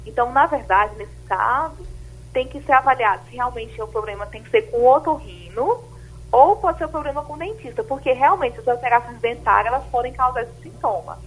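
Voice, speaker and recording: A woman doctor on a radio health show, explaining symptoms in a measured way, often starting with "então". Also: on the high side, lively intonation, husky, rough recording. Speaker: doctor guest.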